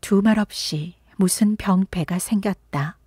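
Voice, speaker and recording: A woman narrating a literary audiobook in a gentle, unhurried storytelling voice that sometimes drops into a whisper. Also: mid-range voice, husky, no echo, clean studio sound. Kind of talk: soft literary audiobook reading.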